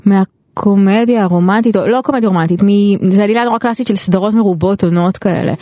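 A woman hosting a podcast in a relaxed, chatty way, her voice leaping upward when something excites her. Her pitch is mid-range, and the recording is close and dry. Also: dry recording. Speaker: podcast host. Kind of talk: casual podcast chat.

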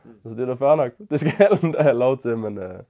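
A man's voice: medium pitch, lively intonation, muffled recording. An eighteen-year-old man from northern Denmark telling an embarrassing story casually, self-deprecating and rambling with many fillers. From Northern Jutland, Denmark. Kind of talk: casual anecdote.

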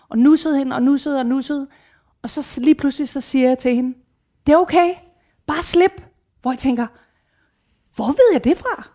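Candid, animated woman telling stories. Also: sits high. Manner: animated, candid, swears casually, acts out quoted voices. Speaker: guest. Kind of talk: casual chat, personal storytelling.

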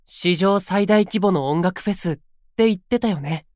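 Man acting a gentle, anxious young idol. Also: high voice, moderate pace, no room sound, clean studio sound, close to an everyday voice. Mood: earnest. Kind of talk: Japanese anime-style audio drama acting.

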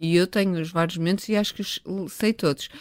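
Middle-aged woman, scientist guest, lively anecdotal storyteller, dry close sound. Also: fairly low pitch, fast talker, no echo. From northern Portugal. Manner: lively, chatty, with frequent restarts and laughs. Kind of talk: relaxed storytelling in a radio interview.

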